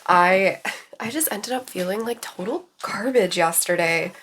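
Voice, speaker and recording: A congested woman talks through a casual reading vlog, rambling and filling her sentences with little asides. Her voice sits at an ordinary middle pitch, neither high nor low. She sounds relaxed and conversational, as if she is chatting to a friend from home. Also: measured pace, a little hiss or hum. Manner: chatty, rambling, many "like" fillers. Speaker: book vlogger.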